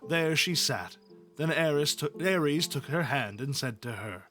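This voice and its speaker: A man reads an epic poem aloud in a bright, forceful voice. He is a storyteller with an informal read-along style, and music plays faintly behind him. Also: a little high, expressive, measured pace. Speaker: story reader. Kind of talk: reading epic poetry aloud with informal asides.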